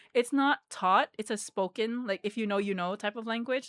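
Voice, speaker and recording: A woman speaks at a fairly high pitch in a very clean recording with a silent background. The sound is dry and close, with no echo. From Philippines (Bisaya-speaking region). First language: Bisaya. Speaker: vtuber streamer. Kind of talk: casual chat. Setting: live stream.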